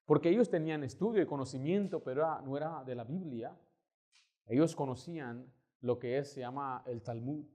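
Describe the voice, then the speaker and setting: A male pastor, preaching a sermon and telling stories with emphatic, lively delivery. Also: mid-range voice, brisk. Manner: storytelling, acting out quoted voices, emphatic.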